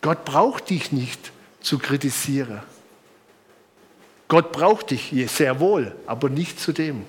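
Animated yet slow, with long pauses and a breathy edge, a fairly high male voice carries this sermon. The speaker is a middle-aged man from Bamberg, Germany, whose southern German accent accompanies casual personal stories and emphatic repetition.

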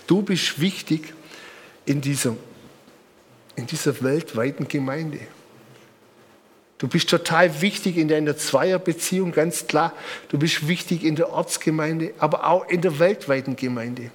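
A middle-aged preacher from Bamberg, Germany, with a southern German accent, delivers an informal sermon laced with personal anecdotes and emphatic repetition. His voice sits on the high side with a breathy edge, moving at a measured pace with long pauses.

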